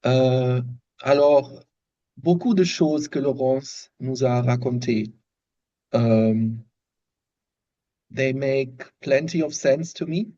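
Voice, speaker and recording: Very slow, halting man with German accent. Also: medium pitch, warm tone, dull audio. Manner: halting, searching for words. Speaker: workshop participant, systemic design researcher. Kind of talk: slow, thoughtful remarks in a second language. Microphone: video call microphone.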